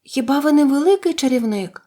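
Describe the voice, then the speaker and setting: A woman's voice: high-pitched, lively intonation, brisk, warm tone, voice pushed up. A woman voicing an earnest young girl in a children's audiobook, exclaiming indignantly.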